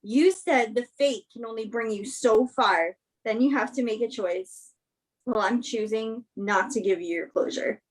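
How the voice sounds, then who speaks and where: A woman's voice: fairly high pitch, a little slow, breathy edge, poor audio. A woman acting a bitter, guarded young woman, confrontational and sarcastic, in a staged play reading. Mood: angry, defensive.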